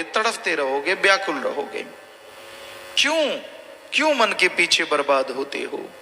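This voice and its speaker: A man's voice: sits high, pushed and bright. A man preaching a sermon, warning his listeners again and again. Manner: exhorting, repetitive warnings. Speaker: spiritual preacher. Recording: long hall reverb, faint noise.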